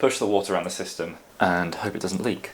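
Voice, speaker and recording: With a British accent, this voice moves along at a fairly quick pace. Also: man. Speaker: PC builder, video host. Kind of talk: build tutorial narration. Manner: soft-spoken.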